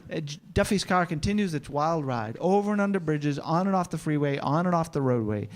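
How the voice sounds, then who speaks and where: A man's voice: on the high side, expressive, fairly quick. A man narrating scripted action as the narrator of a staged comedy screenplay reading.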